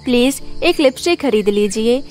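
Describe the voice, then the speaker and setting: A woman as a high-voiced poor young street-seller girl. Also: expressive, moderate pace, darkish tone, soft background music, natural voice. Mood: pleading. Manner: pleading, sweet street-seller patter. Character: poor, hungry, kind-hearted young lipstick-selling girl. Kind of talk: cartoon moral story character acting.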